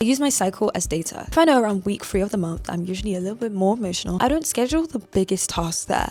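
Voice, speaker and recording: A woman with a London accent talks at a very fast pace, hardly pausing at all, with music playing in the background. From London, England. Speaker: university student and content creator. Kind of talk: motivational talk to camera.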